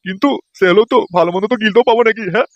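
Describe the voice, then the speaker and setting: High-pitched greedy old cartoon grandpa played by a man. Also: no echo, highs cut off. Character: gluttonous, self-satisfied old father-in-law and grandfather. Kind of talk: comedy cartoon dialogue.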